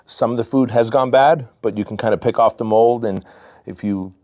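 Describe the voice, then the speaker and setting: A man's voice: mid-range voice, normal speed, a little mellow. A man in his forties from Armenia, a podcast guest telling his story in a candid, loose way. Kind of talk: casual storytelling.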